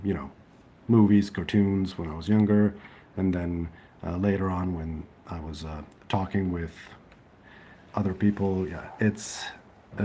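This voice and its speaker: Serbian guy rambling on a live stream, lots of ums, low mellow voice. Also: slight background noise. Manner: hesitant, many ums and restarts. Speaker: livestream host. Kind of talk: casual live chat reading comments.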